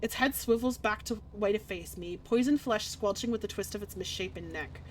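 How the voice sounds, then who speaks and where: A young woman reading a dark visual novel aloud in dramatic first person, breaking off for giggly asides. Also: medium pitch, normal speed, slight background noise, low-quality recording. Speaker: streamer playing a game.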